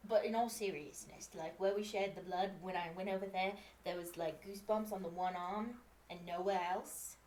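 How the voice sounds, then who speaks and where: A woman player bantering over a tabletop game, playful and in character. Her mid-pitched voice rings in a roomy, echoey space. A faint hiss sits under it. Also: fairly even intonation, moderate pace, a little mellow. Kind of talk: casual tabletop game chat. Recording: roomy echo.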